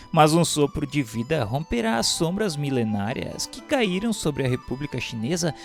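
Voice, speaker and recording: Expressive man narrating solemnly. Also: medium pitch, gravelly. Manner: oratorical, formal, measured. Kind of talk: solemn scripted narration of a spiritual text. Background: music.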